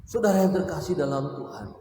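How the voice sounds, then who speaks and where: High-voiced male preacher in an echoing hall. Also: big pitch swings, brisk, mellow, a little hiss or hum. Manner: emphatic preaching with rhetorical questions. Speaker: pastor. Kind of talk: sermon. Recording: very echoey hall with long reverb.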